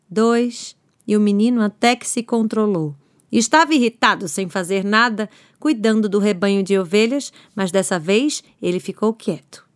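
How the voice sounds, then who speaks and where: A woman narrating a children's story in an animated, playful way. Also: mid-range voice. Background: music.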